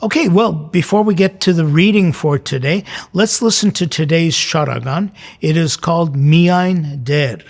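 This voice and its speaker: A man's voice: a little high, measured pace, hardly any pauses. A man hosting a church programme as a priest, talking informally and explaining things directly to his viewers in a conversational way.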